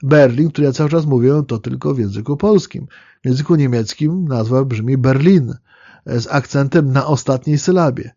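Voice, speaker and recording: A man giving a spoken history lecture in a measured, explanatory way, pausing on fillers and correcting himself as he goes. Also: medium pitch, dark tone, dry recording, dull audio.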